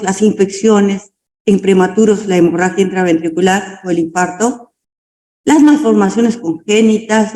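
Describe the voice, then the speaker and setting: Slow woman dictating a medical lecture. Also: mid-range voice, dark tone, echoey room. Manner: dictating slowly, tag questions. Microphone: video call.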